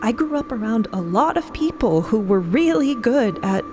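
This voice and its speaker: A woman plays an anxious young woman in an audio drama, her voice high and swinging widely. She pleads in halting, emphatic bursts, over a clear music bed. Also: very animated. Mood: apologetic, earnest. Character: anxious, conscientious young woman, a people-pleaser finding nerve.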